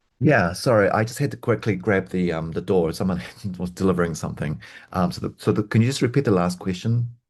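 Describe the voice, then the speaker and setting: Very fast, lively speech from a man with a very deep, low pitch, over a quiet background. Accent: New Zealand. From New Zealand. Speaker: product designer. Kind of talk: panel discussion.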